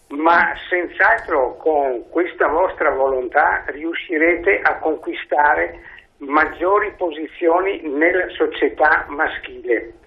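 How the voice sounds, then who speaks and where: A man calling in to a talk show over the phone, speaking slowly and earnestly. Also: on the high side. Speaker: caller. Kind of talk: call-in comment on radio talk show. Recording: tinny phone line.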